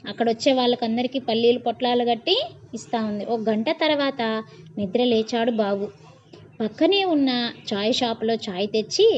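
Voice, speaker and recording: A woman narrating a bedtime story in a colloquial way. She pauses often to re-explain lines in casual asides. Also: on the high side, a little mellow, dull audio, a little hiss or hum. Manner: reads, then retells and explains in casual asides.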